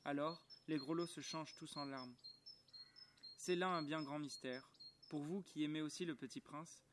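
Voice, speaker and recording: Calm man reading a story aloud in a garden. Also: a little high, moderate pace, slight background noise. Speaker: reader. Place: outdoors at the bottom of a garden.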